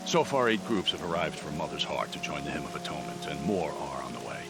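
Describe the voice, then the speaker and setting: An actor playing a grave, subordinate tribal warrior with a gravelly voice in a video game. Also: male voice, a bass voice, lively intonation, fast talker, heavily acted. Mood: grave, uneasy. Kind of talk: dramatic video game acting. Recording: loud music over the voice.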